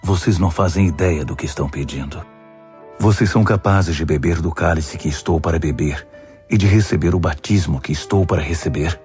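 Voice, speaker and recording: A man voicing a calm, authoritative male teacher in a dramatized Bible audiobook, solemn, firm and instructive. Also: deep voice, brisk, faint music behind, pitched below the performer's own voice, close to an everyday voice.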